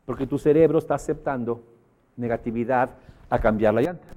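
A man's voice: medium pitch, fairly quick. A man with a Mexican accent gives a motivational talk, telling anecdotes and asking the audience questions. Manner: animated storyteller, asks the audience questions. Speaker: motivational speaker.

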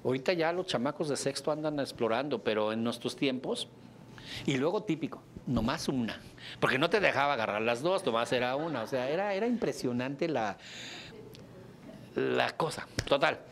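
Mexican instructor, middle-aged man, joking and animated classroom lecture, mid-pitched voice. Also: normal speed, slight background noise. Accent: Mexican Spanish. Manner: joking, animated, bursts into high exclamations.

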